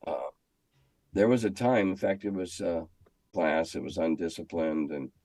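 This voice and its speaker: An older American man reminiscing in a casual, halting, anecdotal way, often repeating himself as he goes. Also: low-pitched, a little mellow, no room sound. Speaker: guest, former schoolteacher. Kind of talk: casual storytelling interview.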